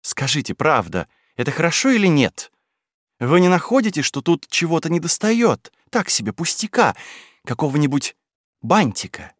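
A man's voice: a little high, normal speed, no room sound, clean studio sound, pitched above the performer's own voice. A man reading aloud and voicing a chattering, flighty young society wife of twenty-one who bosses a boy around. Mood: eager, bossy. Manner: chattering, excitable, bossy.

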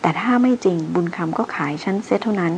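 A woman reading the lines of a seasoned male hunter who speaks in a calm, level-headed and skeptical way. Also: medium pitch, fast talker, lo-fi sound, a little hiss or hum, close to an everyday voice. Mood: measured.

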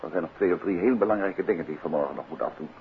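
An actor playing an unruffled, evasive gentleman detective and teasing husband, dryly ironic, in a 1950s Dutch radio drama. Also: low voice, racing. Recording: muffled, noisy 1950s radio recording.

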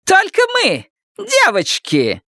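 A man voicing a furious, sarcastic middle-aged mother who screeches and yells. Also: very high-pitched, wildly swooping pitch, slow, vocal fry, no echo, clean studio sound, pitched above the performer's own voice, heavily acted. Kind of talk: audiobook character reading.

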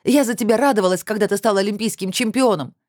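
A furious young ex-fiancée whose voice rings high and sharp as she shouts her hurt, stubborn and proud, put on by a male audiobook reader. Her tone stays hot with indignation and near tears, a storybook drama. The dry, close recording carries no room at all. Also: fast, no room sound. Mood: indignant. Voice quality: ringing raised voice. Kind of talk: audiobook character reading.

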